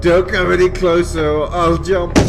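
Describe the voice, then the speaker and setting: A man's voice: sits high, level tone, normal speed. A man acting a desperate, terrified man at breaking point in a radio drama, panicked and gasping out exclamations. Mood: panicked, pleading. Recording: loud music behind.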